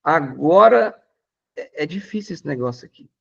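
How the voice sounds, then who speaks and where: Pastor de voz um pouco aguda. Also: male voice, on the high side, normal speed, gravelly, muffled recording. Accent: Brazilian Portuguese. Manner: animated, emphatic, conversational preaching. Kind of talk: sermon.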